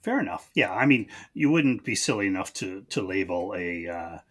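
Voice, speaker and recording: A man's voice: low voice, animated, normal speed, a bit bright, breathy edge. A man hosting a podcast, chatting casually and agreeably as he interviews a guest.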